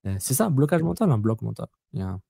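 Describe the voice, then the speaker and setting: A man's voice: medium pitch, big pitch swings, fast talker, gravelly, dark tone, slightly rough, no echo, clean studio sound. A man co-hosting a casual soccer podcast, talking bluntly, repeating himself and slipping in English words. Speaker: podcast co-host.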